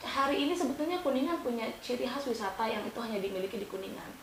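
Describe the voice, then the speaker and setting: Noticeable background noise sits behind a woman who speaks at a fairly quick pace in a high pitch. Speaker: youth activist and orator; wedding singer. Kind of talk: interview answer.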